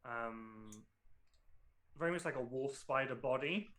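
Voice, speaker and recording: A man narrating a tabletop game as its dungeon master. He talks casually, with many fillers, in a bright, clear-toned voice at an ordinary pitch for a man. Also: measured pace.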